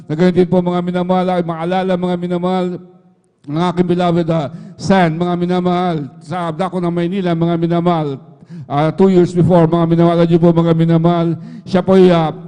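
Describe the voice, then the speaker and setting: Fast-talking man testifying in an echoey hall. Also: sits high, dark tone, clean tone. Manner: fills nearly every phrase with a repeated address to the listeners. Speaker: church member giving testimony. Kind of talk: church testimony. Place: church hall. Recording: echoey church hall livestream.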